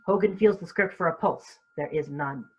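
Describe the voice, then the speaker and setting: A woman's voice: low voice, moderate pace, slightly rough, highs cut off. A woman reading out stage directions for a staged reading as scripted narration, sometimes stumbling over the script.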